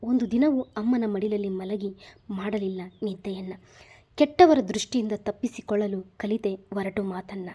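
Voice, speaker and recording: Woman reading hurt girl's inner monologue, soft, sorrowful, poetic. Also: medium pitch, normal speed, breathy edge, natural voice.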